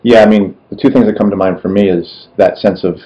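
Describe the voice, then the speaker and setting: A man hosting a podcast interview over a video call, asking halting questions with many restarts. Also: lowish voice, fairly even intonation, warm tone, highs cut off. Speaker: podcast host.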